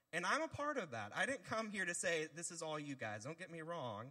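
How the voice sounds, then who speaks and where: A man's bright, sharp tone carries vocal fry and very wide pitch swings. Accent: American. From US South, South Carolina (Bluffton). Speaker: youth minister. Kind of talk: sermon. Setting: church.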